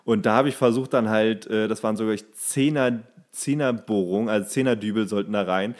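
A man chatting casually as a podcast host, telling anecdotes in a halting way and often correcting himself. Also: on the low side, darkish tone. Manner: halting, self-correcting storytelling. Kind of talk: casual chat, rambling anecdote.

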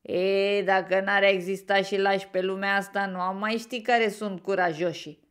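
A woman's voice: mid-range voice, flat delivery, clear, resonant tone, close to an everyday voice. A woman voicing a mean, teasing young male deer bully in a storybook. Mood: taunting. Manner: loud mocking taunts.

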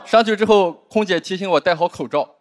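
Fast-talking high-voiced male comic. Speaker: stand-up comedian. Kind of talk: stand-up comedy set.

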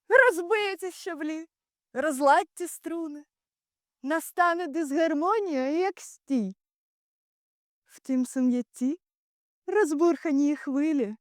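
A young woman playing a wise, stern male Greek commander in a theatrical Shakespeare monologue, declaiming in deliberate, rhetorical phrases. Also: mid-range voice, darkish tone, dry recording, studio quality, lightly acted. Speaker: drama student.

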